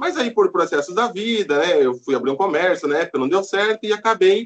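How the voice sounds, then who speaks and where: Speaking at a moderate pace, a man keeps a high pitch. His voice swings very widely in pitch. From São Paulo city, Brazil. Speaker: security company manager. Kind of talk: casual interview chat.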